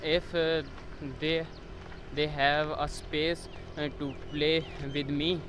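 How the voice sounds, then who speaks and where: A man whose first language is Urdu talks to the camera outdoors in hesitant English, pausing often on filler sounds. His voice sits a little high. Faint traffic and outdoor noise run underneath. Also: flat delivery. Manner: halting non-native English, frequent uh fillers. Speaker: vlogger. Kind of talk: casual outdoor vlog. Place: outdoors in a village near a road.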